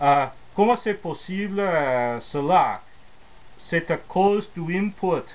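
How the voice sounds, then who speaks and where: Speaking at a very slow pace with an American accent, a man with a high pitch uses lively intonation and big swings in loudness. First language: English (speaking French). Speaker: Spanish teacher, language learner. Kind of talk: casual vlog talk in learned language. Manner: halting, many fillers and repetitions.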